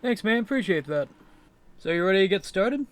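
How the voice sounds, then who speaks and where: High-voiced man asking interview questions. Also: expressive, brisk.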